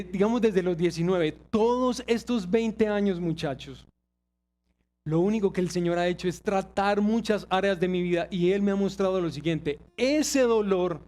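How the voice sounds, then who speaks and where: A man's voice: high voice, a little mellow. A man, preaching a confessional sermon and acting out quoted voices. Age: 30s. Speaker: pastor.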